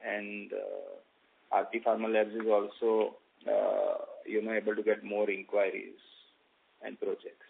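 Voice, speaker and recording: A man with an Indian accent speaking as a company executive on an earnings call, in halting, formal, measured phrases. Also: lowish voice, level tone, gravelly, husky. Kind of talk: earnings call presentation and answers. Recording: dull band-limited conference call audio.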